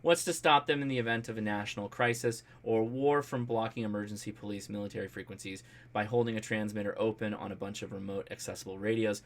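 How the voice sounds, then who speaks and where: An American man hosting a casual livestream about a hobby, reading out and answering viewer comments in an animated, jokey, colloquial way. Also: lowish voice, fast talker, hardly any pauses. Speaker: host of a ham radio livestream.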